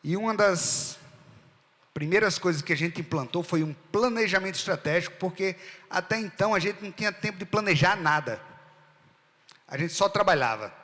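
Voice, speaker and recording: A middle-aged man with a Northeastern Brazilian accent gives a talk from a stage. His voice sits a little high for a man. The sound carries a long reverb from the hall. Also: animated, normal speed, bright, forceful tone. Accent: Northeastern Brazilian, from Rio Grande do Norte. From Rio Grande do Norte, Brazil. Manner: conversational, asks the audience questions. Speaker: speaker at a live event. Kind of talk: storytelling keynote talk.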